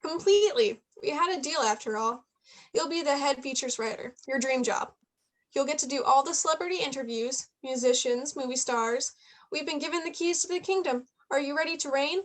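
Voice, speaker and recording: High-voiced, ambitious young journalist played by a woman. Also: fairly quick, natural voice. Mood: excited, proud. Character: Chloe, ambitious, frustrated young female journalist and loyal friend. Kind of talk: staged reading of a contemporary play.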